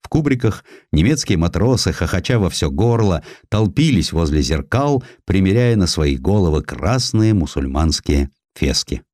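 A man narrating a historical essay as a dramatic, expressive audiobook reader. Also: sits low, moderate pace, few pauses, no echo, studio quality. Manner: expressive, theatrical storytelling.

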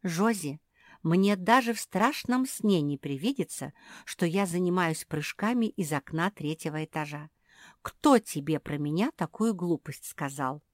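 A woman voicing a gentle, motherly black female pug who speaks in a tender, coaxing way. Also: fairly low pitch, animated, a little slow, no echo, clean studio sound.

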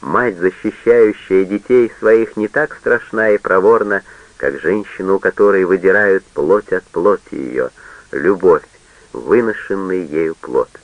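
A man reading a literary novel aloud in a measured, solemn way. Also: sits low, no echo, dull audio. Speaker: audiobook reader. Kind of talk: literary audiobook narration.

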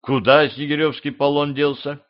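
A man voicing a gruff, commanding middle-aged boyar warrior in an audiobook, mocking and bold in manner. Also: fairly high pitch, level tone, moderate pace, voice pushed up, close to an everyday voice. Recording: slightly dull lo-fi audio.

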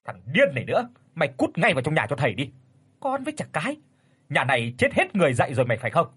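A gruff, bossy old father barks orders in a quick, irritable voice, as a male storyteller puts him on. The husky voice swings widely in pitch against a dry backdrop of faint music. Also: very animated. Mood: angry. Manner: shouting, snapping.

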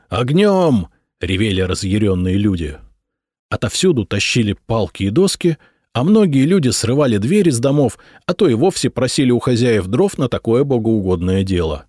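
Expressive male audiobook narrator. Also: medium pitch, no echo, studio quality. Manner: expressive, rising on dramatic moments.

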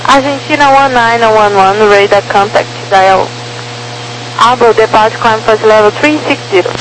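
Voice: medium pitch, a little slow, a bit bright. Brazilian air traffic controller, voice could be either sex, clipped orders on crackly military-sounding radio w/ hum. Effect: radio transmission. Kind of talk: crackly radio transmissions, terse clearance phraseology. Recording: crackly, humming aviation radio.

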